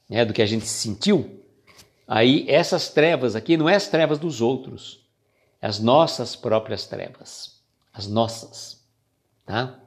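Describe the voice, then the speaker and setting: Man reading and explaining a spiritual book. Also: mid-range voice. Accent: Brazilian Portuguese. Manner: reads passages slowly, then explains casually with fillers and jokes. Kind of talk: casual reflective reading and commentary.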